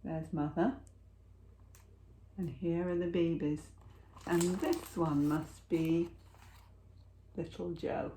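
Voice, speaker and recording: Lady teacher reading a kids picture book, really slow, slightly low voice, expressive with pauses. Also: noisy background. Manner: expressive, deliberate storytelling with dramatic pauses. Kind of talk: children's picture book read-aloud.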